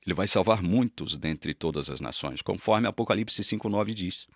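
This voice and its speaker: A man's voice: deep voice, moderate pace, a bit bright, dry recording, clean studio sound. A man teaching Reformed doctrine, emphatic and repeating phrases for stress. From Brazil. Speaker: Reformed preacher.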